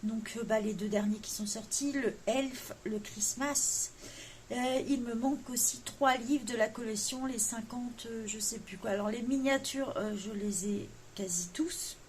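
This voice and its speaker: Woman, casual vlog chat, slightly high voice, hesitant fillers, faint background hum. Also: measured pace. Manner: chatty, many hesitations; jokes about her English accent. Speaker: coloring vlogger.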